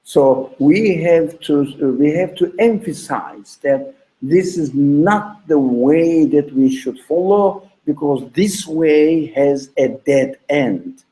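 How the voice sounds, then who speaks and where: A man's voice: a little high, takes it slowly, dark tone. A man giving an informal religious lecture in a didactic, conversational way, with examples and rhetorical questions. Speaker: religious teacher leading a class. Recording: echoey room.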